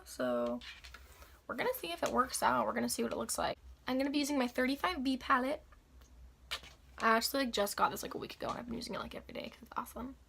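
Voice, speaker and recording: A young woman with a raspy, slightly hoarse voice after the flu, chatting casually through a makeup tutorial. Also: on the high side, a bit bright, slight background noise. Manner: chatty, upbeat, filler-heavy. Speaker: beauty vlogger.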